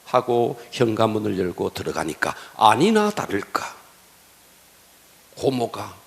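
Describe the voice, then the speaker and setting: A middle-aged male pastor telling a story in a sermon, dropping to hushed whispers and then rising to emphatic lines. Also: fairly low pitch, huge pitch swings, a little slow, gravelly. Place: church sanctuary.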